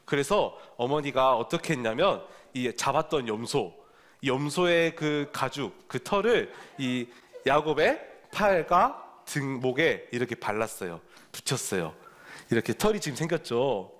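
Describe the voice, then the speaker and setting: A man leading a children's sermon at a church service, telling a Bible story with lively animation. He keeps turning questions to the children, and his voice sits a little high. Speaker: children's ministry preacher.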